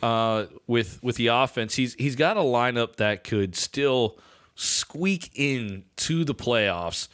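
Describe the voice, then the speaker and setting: Guy podcast co-host just bantering about sports, mid pitch voice. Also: expressive, slow pace, fairly bright tone.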